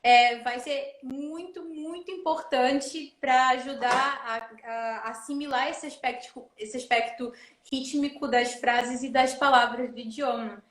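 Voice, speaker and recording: Woman host, high voice, animated explainer, echoey room. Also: slow pace, hardly any pauses. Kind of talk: casual live chat. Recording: roomy echo.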